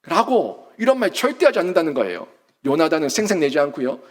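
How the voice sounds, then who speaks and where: Male pastor, sermon, high voice, very animated, emphatic, rhetorical questions. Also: fast talker.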